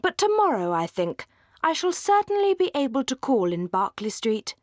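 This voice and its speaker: A money-minded gentleman brother, as a woman reads him aloud, firing off brisk, prying questions about wealth. His lines jump up in pitch when he grows keen. The recording is close and dry. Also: very animated, no echo. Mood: inquisitive. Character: John Dashwood, eager, money-minded older brother.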